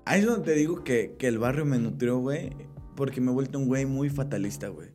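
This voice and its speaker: A man's voice: mid-range voice, animated, quick pace, a little mellow, soft background music. A young Mexican man, a stand-up comedian, chatting casually and animatedly with lots of slang fillers. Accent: Mexican Spanish. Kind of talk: casual podcast chat.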